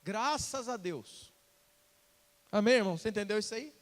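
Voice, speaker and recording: A man preaching a sermon, lively and conversational, acting out little dialogues and asking the congregation questions. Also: high voice, moderate pace, long reverb tail. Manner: animated, acts out quoted dialogue, asks congregation questions. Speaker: pastor. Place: church sanctuary.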